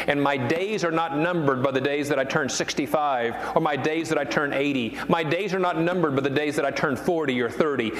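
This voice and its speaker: An older man preaching with a fairly high voice, earnest and emphatic, leaning on repeated phrases. His voice rings out through a long, roomy church reverb. A faint hum of ambience sits underneath. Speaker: pastor. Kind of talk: sermon.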